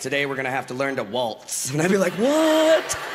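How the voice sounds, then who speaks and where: Over noticeable background noise, a man talks at a very fast pace with very wide pitch swings. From Canada. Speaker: comedian. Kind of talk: stand-up. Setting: stage with audience. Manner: animated. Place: stage. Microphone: handheld.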